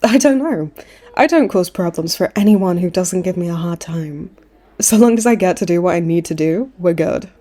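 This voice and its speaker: Woman playing a cocky, mellow-voiced supervillain. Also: fairly low pitch, expressive, moderate pace. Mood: breezy, mocking. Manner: breezy, teasing, smug. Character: cocky, cheeky supervillain woman, a chummy hospital frequent flyer. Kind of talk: comedy audio roleplay acting.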